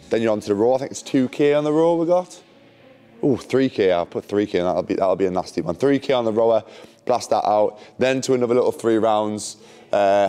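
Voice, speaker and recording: A man's voice: fairly low pitch, mellow. Young man, barking gym coach. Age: 20s. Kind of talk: group fitness coaching. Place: large hard-floored indoor gym.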